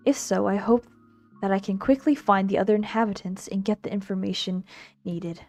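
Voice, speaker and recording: A woman voicing a prim, wry young villainess from a visual novel, with formal, measured diction. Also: mid-range voice, steady tone, a little mellow, dry recording, lightly acted. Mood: wry, hopeful. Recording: music behind the voice.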